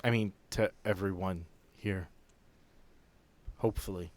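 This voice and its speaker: A humble young Amish man, acted out by a male game master in a tabletop game. His voice is low and he speaks haltingly, with an apologetic, hesitant manner. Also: steady tone. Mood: hesitant, regretful.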